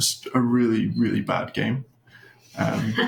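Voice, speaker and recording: This is a man speaking with a Scottish accent. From Scotland. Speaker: AI research engineer. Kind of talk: podcast interview.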